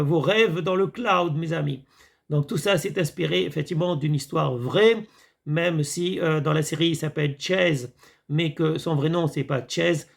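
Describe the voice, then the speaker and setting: Rambling man with a gravelly voice. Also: on the high side. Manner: rambling, hesitant with many fillers, addresses viewers as friends. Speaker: video commentator. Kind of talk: casual monologue reviewing a series.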